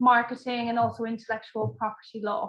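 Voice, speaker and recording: In an Irish accent, a woman speaks at a high pitch. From Ireland, west. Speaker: PhD student. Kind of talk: lecture.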